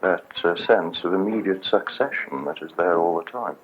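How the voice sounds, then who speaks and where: A middle-aged Englishman with a low voice and an English accent reflects in an interview, choosing formal words with hesitant care. The sound is thin and tinny, like an old 1970s film track. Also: moderate pace. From England. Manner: hesitant, thoughtful, formally worded. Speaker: interviewed family member.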